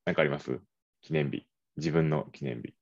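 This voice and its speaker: A man's voice: very deep voice, moderate pace, vocal fry, a little mellow, no echo, dull audio. A man with a Kansai accent, a marketing radio producer co-hosting a casual podcast chat in a playful, teasing way. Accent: Kansai Japanese.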